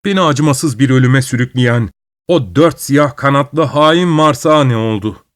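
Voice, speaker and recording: A man's voice: medium pitch, a little slow, dry recording, studio quality, pitched above the performer's own voice, lightly acted. A man voicing a distraught young nobleman who talks in an agitated, pleading way. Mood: frantic.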